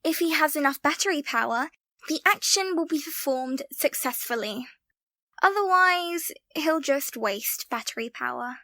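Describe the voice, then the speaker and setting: A woman's voice: high-pitched, animated, a little slow, pushed and bright, no echo, heavily acted. A woman playing a patient, matter-of-fact instructor in an audio drama, explaining things precisely. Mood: instructive.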